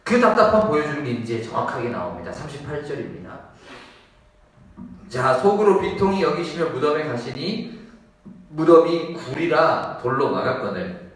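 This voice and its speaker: A man's voice: fairly high pitch, sing-song, normal speed. A male pastor preaching a sermon in a church, acting out the voices of people in the Bible story. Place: church sanctuary. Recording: echoey church hall, mic at a distance.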